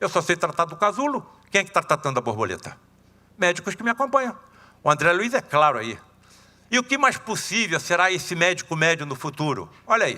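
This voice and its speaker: Animated and bright, a man speaks in a high pitch with a sharp tone and very wide pitch swings, at a fairly quick pace. He takes long, frequent pauses, and the recording is very clean with a silent background. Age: 70s. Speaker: physician and spiritist lecturer. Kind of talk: lecture.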